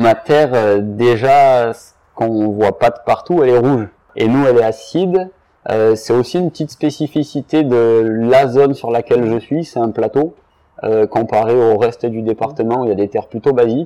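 This man's tone is dark and mellow, at a medium pitch. He speaks at a moderate pace with ordinary pitch variation. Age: 20s. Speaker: farmer. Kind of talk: interview. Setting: at his farm over breakfast.

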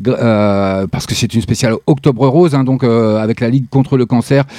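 A man's medium-pitched voice, dark and mellow in tone, with ordinary pitch variation, on a very clean recording with a silent background. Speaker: radio host. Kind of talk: live web-radio DJ patter, upbeat show intros and song back-announcements. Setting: live radio broadcast, studio. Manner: chatty, energetic, improvised, stumbling over words and admitting his slips; fast, jokey, hype-style teasing of the playlist and giveaways.

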